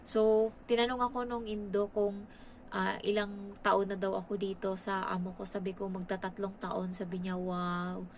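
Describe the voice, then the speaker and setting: A woman from the Philippines chatting casually in a storytelling vlog, lively and animated as she quotes the people in her story. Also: medium pitch, normal speed, a little hiss or hum. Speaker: vlogger, domestic helper.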